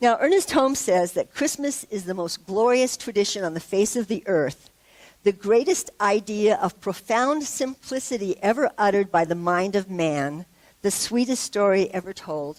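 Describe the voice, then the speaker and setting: Here a woman with an ordinary speaking voice and medium pitch speaks at a moderate pace with lively intonation. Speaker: minister. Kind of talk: sermon talk.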